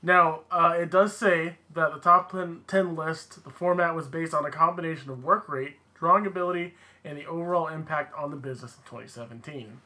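Higher-pitched man, bright voice. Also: fairly quick, hardly any pauses. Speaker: podcast co-host. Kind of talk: casual chat, wrestling discussion.

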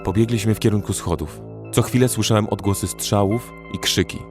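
Male narrator for horror audio story, somewhat deep, dramatic read over light music. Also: fairly even intonation, a little fast. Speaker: first-person narrator. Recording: faint music behind.

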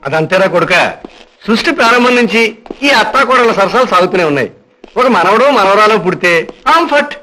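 A man's voice: high voice, expressive, brisk, bright, forceful tone. An actor playing a wry, teasing older uncle who jokes with his nephews. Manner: teasing, joking. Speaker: uncle of the husband. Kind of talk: 1980s Telugu film comedy acting.

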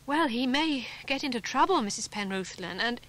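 A woman's voice: medium pitch, unhurried, a bit bright, natural voice. A woman voicing a sensible, earnest teenage boy in a storybook reading.

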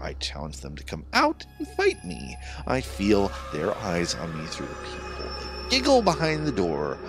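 A man's voice: mid-range voice, fairly bright tone, heavily acted. A man playing a bitter, paranoid, volatile diarist in a horror audio story, with a seething, sardonic, profane delivery. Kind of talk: dramatic first-person horror narration.

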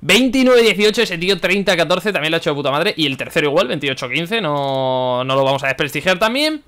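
A young man from commenting on his own gameplay, excitable, swearing and shouting at the game. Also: on the high side, fairly quick. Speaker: gaming YouTuber.

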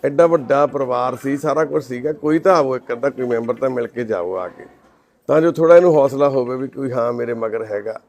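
A man with a Punjabi accent, a charity volunteer making a soft, pleading appeal to the camera. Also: medium pitch, brisk, creaky.

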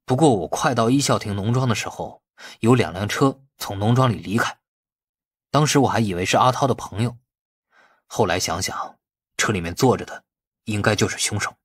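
A man's voice: on the low side, moderate pace, husky, dry recording, studio quality. A man voicing a young fugitive, loyal and vengeful, in audiobook dialogue. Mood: somber recounting.

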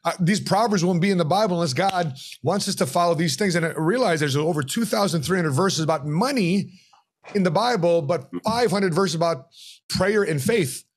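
A middle-aged man, a retirement planner, tells his story as an interview guest, animated and acting out quoted voices, in a home office on a podcast mic. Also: high-pitched, normal speed, slightly rough. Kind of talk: interview conversation. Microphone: podcast mic on boom arm.

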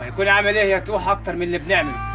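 A man's voice: sits high, expressive, very fast, music in the background. An actor playing a callous young man, cold and dismissive. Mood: scornful. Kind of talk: TV drama acting.

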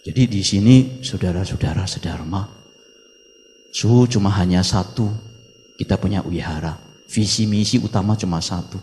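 A man's voice: deep voice, moderate pace, a little hiss or hum. A male Buddhist monk giving a dharma talk, preaching with emphatic exhortations and Mandarin chant phrases mixed in. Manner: emphatic rising exhortations, trailing off softly. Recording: long reverb of a hall.

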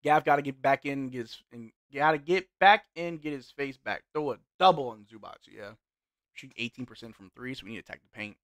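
A young man doing live play-by-play and chat reading while watching a game, his voice getting hoarse, in a small room at a desk mic. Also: mid-range voice, brisk. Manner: play-by-play calls mixed with relaxed banter. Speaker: sports watch-along streamer. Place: small indoor room with gaming chair.

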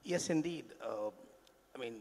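A man's voice: mid-range voice, animated, a little slow, vocal fry, a little mellow. Emphatic man chef on a panel. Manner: emphatic, restarts sentences. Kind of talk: panel discussion on stage. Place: large conference stage. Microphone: handheld mic. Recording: long hall reverb.

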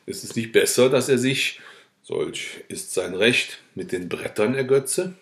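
A man voicing a plain-spoken male servant who reasons calmly and soothingly. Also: mid-range voice, measured pace, vocal fry. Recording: roomy echo.

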